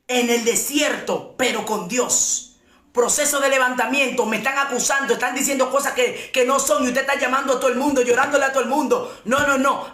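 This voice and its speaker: Woman preacher, impassioned shouting sermon, bright sharp voice, echoey room. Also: fairly high pitch. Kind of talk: fiery sermon.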